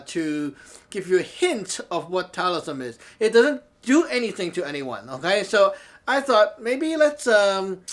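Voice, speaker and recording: A chatty Hong Kong man with a high voice, a Taoist teacher and show host whose first language is Cantonese, talks to the camera in a casual talk show monologue. He laughs often and keeps asking "okay?".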